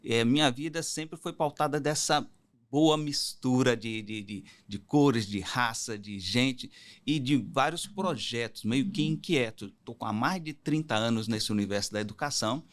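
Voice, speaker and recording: A man's voice: mid-range voice, measured pace. A man in his fifties from Goiás, a teacher answering as a podcast guest, reflective and searching for words. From Goiás, Brazil. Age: 50s. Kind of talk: casual interview chat.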